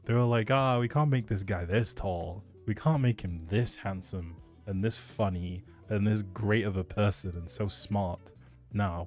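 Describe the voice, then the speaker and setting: A man with a low, mellow voice talks as a streamer to chat. He rambles along in a casual, playful and joking way, with music playing behind him. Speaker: streamer, host. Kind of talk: casual livestream chat with viewers. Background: background music.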